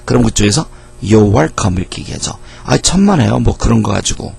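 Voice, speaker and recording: A middle-aged man teaching English phrases in a lecture, explaining patiently and reading example sentences slowly. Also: mid-range voice, big pitch swings, creaky, a little mellow, slightly rough.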